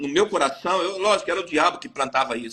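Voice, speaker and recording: The voice belongs to a man with a bright, sharp tone. His pitch varies in an ordinary way. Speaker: apostle giving testimony. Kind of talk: testimony.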